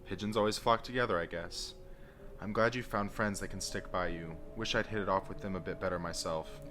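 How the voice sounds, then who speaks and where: A man's voice: sits low, brisk, sharp tone, soft background music. An actor playing a weary, secretive man changed by an otherworldly force, pleading urgently and lovingly in an audio drama. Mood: urgent concern. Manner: earnest, pleading.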